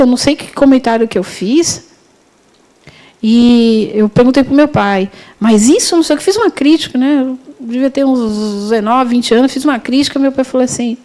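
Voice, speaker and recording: A woman's voice: on the high side, dark tone. A middle-aged woman, a university lecturer telling a story in a spiritist lesson, talking conversationally with restarts and self-corrections.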